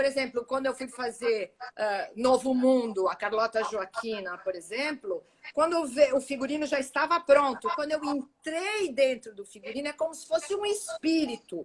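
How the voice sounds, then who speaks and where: A woman's high-pitched voice at a moderate pace, with big swings in loudness. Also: lively intonation. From São Paulo, Brazil. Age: 60s. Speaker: actress. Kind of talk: interview. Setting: live stream.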